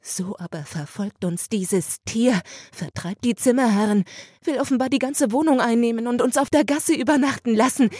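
A woman's voice: a little high, moderate pace, darkish tone, no echo, clean studio sound, voice pushed up, lightly acted. A woman voicing a young sister who speaks urgently and tearfully in an audiobook reading, pleading and insistent. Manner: urgent, pleading, rising to cries.

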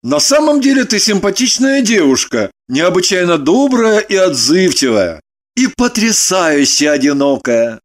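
A man's voice: high voice, measured pace, exaggerated voice. A man playing a dry, teasing charmer. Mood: soothing. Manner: dry, teasing, mockingly calm. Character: wry, flirtatious man calming a hysterical woman. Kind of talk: audiobook character reading.

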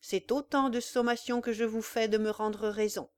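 A woman reading a defiant young gentleman who speaks with cold contempt. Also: fairly high pitch, fairly even intonation, normal speed, clear, resonant tone, dry recording, natural voice. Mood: cold defiance.

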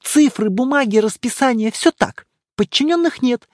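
A man's voice: extremely high pitch, very animated, moderate pace, no echo, clean studio sound, pitched above the performer's own voice, exaggerated voice. A man voicing a stiff lonely woman secretary. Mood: defiant. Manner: clipped, terse listing of facts. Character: reserved 36-year-old female secretary, stiff and lonely.

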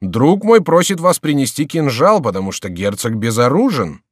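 A man voicing a vain, condescending young male courtier who speaks slowly and affectedly. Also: medium pitch, very animated, husky, dry recording, clean studio sound, pitched above the performer's own voice. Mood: patronizing. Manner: slow, affected and patronizing.

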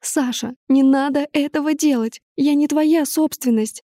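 Woman playing a scared defiant young heroine, tearful, pleading, voice goes up high. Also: moderate pace, warm tone, slightly rough, no echo, clean studio sound. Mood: desperate.

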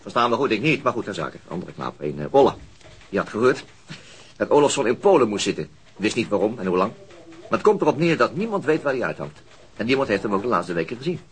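In a naturalistic Dutch radio drama, an actor plays a weary, wry police inspector and father, dry and mildly grumbling in a businesslike mood. His lowish voice is sing-song and fast, with a little hiss or hum.

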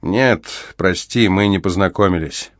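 Audiobook: man voicing gentle older male prisoner, caring, reassuring, dry close read. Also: sits low, a little slow, no room sound. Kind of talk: audiobook character voice.

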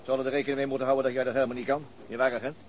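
Radio play: a man voicing a dry, patient police chief at mid pitch, brisk and unshaken. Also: slight background noise, close to an everyday voice. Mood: calm. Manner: calm, terse, dryly patient. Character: calm, dry middle-aged male police chief inspector.

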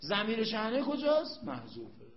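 A man's voice: high voice, huge pitch swings. A man teaching an Arabic grammar lesson, emphatic, repeating points and quizzing his students. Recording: echoey room, dull lo-fi sound.

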